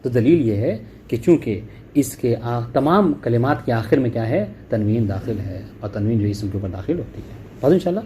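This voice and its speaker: A man with a dark, mellow voice teaches Arabic grammar to a class. He reads the Arabic text slowly before explaining it in quicker talk. He checks again and again that his students have understood, with faint background noise. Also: mid-range voice, animated. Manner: keeps checking understanding with "clear?" and "okay".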